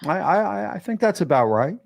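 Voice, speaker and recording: A man's voice: high voice, big pitch swings, brisk, creaky. A middle-aged man with a New Jersey accent hosting a casual livestream chat, stumbling over restarts and reading viewer comments aloud. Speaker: livestream host.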